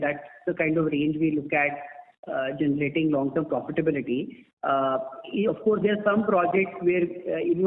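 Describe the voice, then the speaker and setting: A man with an Indian accent, a company executive answering investors in measured corporate speech peppered with "you know", over a tinny conference line. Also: fairly high pitch. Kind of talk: earnings call answers. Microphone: telephone.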